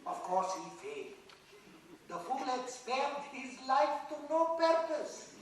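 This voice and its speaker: A man acting a vain, teasing dead mathematician in a dramatised play reading, lecturing theatrically with pauses. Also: very high-pitched, big pitch swings, heavily acted. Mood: storytelling, haughty. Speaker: stage actor. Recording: echoey hall, distant mic, faint noise.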